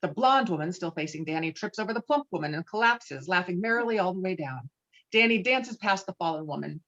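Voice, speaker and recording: A woman's voice: on the low side, lively intonation, fairly quick, fairly bright tone. Woman narrating a script, slightly dull sound. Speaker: narrator reading stage directions. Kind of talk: scripted narration at a virtual table read. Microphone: online call microphone.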